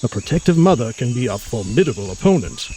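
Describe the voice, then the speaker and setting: A man's voice: mid-range voice, very animated, fast talker, dark tone, a little hiss or hum, natural voice. A man playing an erudite, genial mutant scientist in an audio drama, speaking in a florid, pompous, theatrical manner with bookish words. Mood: reassuring, learned. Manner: florid, pompous, bookish vocabulary with emphatic delivery. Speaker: scientist guide.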